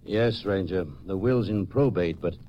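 Deep-voiced country lawyer. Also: male voice, a little slow, slight background noise. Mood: measured, candid. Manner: conversational, explanatory. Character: frank, careful small-town estate lawyer. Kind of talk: 1950s radio western acting. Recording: dull, muffled old radio recording.

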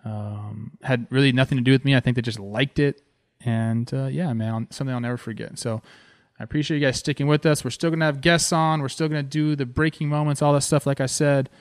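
A man in his thirties from Southern California, a former ballplayer and host, telling stories in an excited, casual way. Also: brisk, dry recording, clean studio sound. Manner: excited, animated, talks with fillers like "man" and "boom". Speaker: former ballplayer hosting a show. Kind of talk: casual storytelling.

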